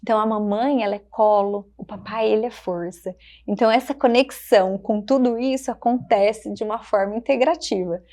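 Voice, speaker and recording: A woman with a Brazilian Portuguese accent, a child development specialist speaking gently and reflectively in short phrases on a podcast. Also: mid-range voice, fairly quick. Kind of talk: podcast conversation.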